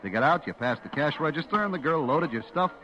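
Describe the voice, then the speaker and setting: A man's voice: fairly high pitch, animated, fast, sharp tone. An actor playing a brash, lovestruck young American supermarket clerk, telling his story confidingly in slangy radio suspense style. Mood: confiding, wry. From eastern United States. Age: young adult. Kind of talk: 1950s radio suspense acting, first-person narration. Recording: dull vintage radio recording with music.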